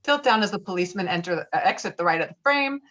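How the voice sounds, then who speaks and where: A woman's voice: mid-range voice, lively intonation, fast, a bit bright. A woman reading scripted stage directions as a narrator, heard on muffled audio. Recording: dull, muffled online call audio.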